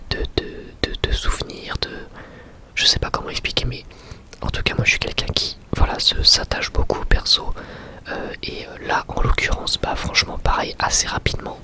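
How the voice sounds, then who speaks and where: A man whispering softly and intimately to his viewers as an ASMR host, giving a review in a breathy, unvoiced voice. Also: medium pitch. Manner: soft-spoken, intimate, addressing viewers directly.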